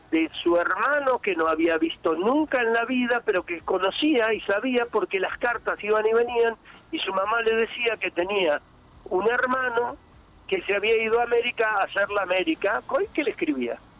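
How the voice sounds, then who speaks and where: Against noticeable background noise, a man talks at a high pitch and a moderate pace. His intonation is lively, and the sound is dry and close with no echo. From Buenos Aires, Argentina. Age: 70s. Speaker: veterinarian. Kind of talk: interview. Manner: animated.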